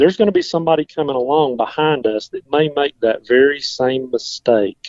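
This man has an Appalachian accent and a fairly high voice. He talks at a fairly quick pace with lively intonation. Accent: Appalachian Southern US. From western North Carolina. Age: 50s. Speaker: political candidate. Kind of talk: interview.

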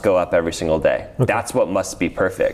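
An American-accented man amid noticeable background noise. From Pennsylvania, US. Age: 30s. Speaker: YouTube video creator and filmmaker. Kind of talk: interview.

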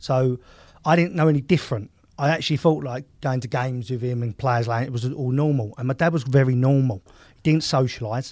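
A medium-pitched man with a London accent at a fairly quick pace. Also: ordinary pitch variation. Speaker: ex-footballer and author. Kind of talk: casual interview chat.

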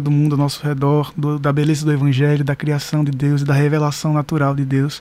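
The man's voice carries a dark, mellow tone at a fairly high pitch. He speaks at a moderate pace. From Paraíba, Brazil (Campina Grande). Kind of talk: radio interview.

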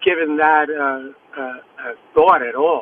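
Noticeable background noise accompanies a man whose voice is fairly high in pitch and fairly even in intonation. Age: old. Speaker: caller, grandparent. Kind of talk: call-in. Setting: phone call.

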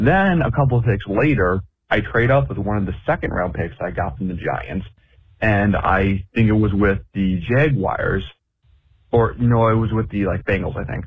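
A man with an American accent has a plain, everyday voice, pitched fairly low, with lively intonation. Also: moderate pace. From upstate New York. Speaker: caller. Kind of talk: voicemail mock draft.

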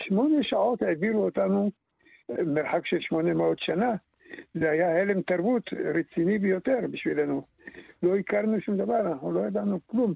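The speech moves at a fairly slow pace with very even loudness and long, frequent pauses. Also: man. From Yemen, Sanaa, then Israel from age 10. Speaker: retired teacher and scholar. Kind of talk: interview testimony.

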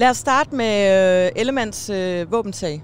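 Over a very clean recording with a silent background, a woman talks at a fairly slow pace with a medium pitch and ordinary pitch variation. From West Jutland, near Varde. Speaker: podcast co-host, political journalist. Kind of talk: casual political chat. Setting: in a car. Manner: hesitant, many fillers.

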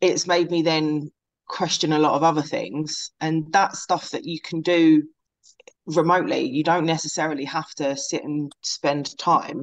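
A woman with a British accent speaks at a fairly slow pace in a very deep, low voice, her intonation fairly even. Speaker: podcast host and confidence coach. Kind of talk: podcast intro and casual group mentoring chat. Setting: video call.

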